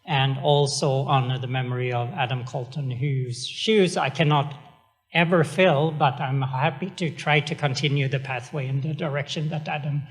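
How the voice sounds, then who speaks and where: A man's voice: medium pitch, fairly even intonation, moderate pace. Swedish-accented man giving an event speech. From Sweden. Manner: chatty, self-deprecating, many fillers. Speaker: executive director.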